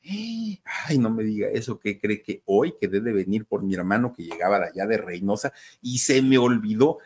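A man voicing a flustered, forgetful young man in a told story, speaking in high, startled exclamations. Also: expressive, moderate pace, darkish tone, slightly rough.

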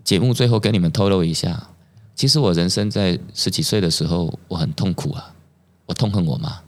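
A man's voice: deep voice, fairly quick. A middle-aged man with a Taiwanese Mandarin accent, telling personal stories as a podcast guest and acting out the quoted dialogue. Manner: animated storyteller who acts out quoted dialogue. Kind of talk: personal storytelling in conversation.

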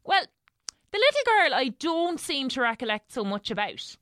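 A woman's voice: high-pitched, sing-song, moderate pace, pushed and bright, dry recording, studio quality, exaggerated voice. A woman playing a kindly, gossipy middle-aged housekeeper with a rural English accent in an audio drama. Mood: gossipy storytelling. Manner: chatty, homely, rustic.

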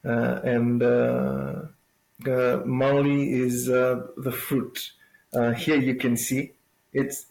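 A man from Fiji with a Fijian accent, answering in a conversational interview in a halting, thoughtful way with frequent pauses. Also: medium pitch, gravelly, darkish tone. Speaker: interview guest, plant-based food business owner. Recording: roomy, echoing sound.

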